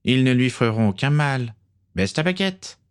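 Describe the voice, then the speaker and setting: A cold vampire pirate officer, put on by a male narrator who hisses his commands in a hushed, severe tone. His voice stays somewhat higher than the narrator's own and rises and falls as he talks, within a storybook reading. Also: animated, unhurried, clean tone, lightly acted. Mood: stern. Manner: hissing, stern.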